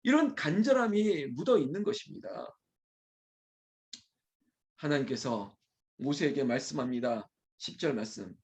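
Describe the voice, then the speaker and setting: A man, a pastor, preaching an early morning prayer sermon in a candid, conversational way, teasing and scolding his small congregation, then quickly apologizing. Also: medium pitch, lively intonation, darkish tone.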